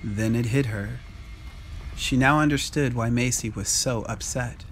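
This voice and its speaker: A man's voice: mid-range voice, fairly bright tone, slight background noise. A man narrating a scripted dramatic story.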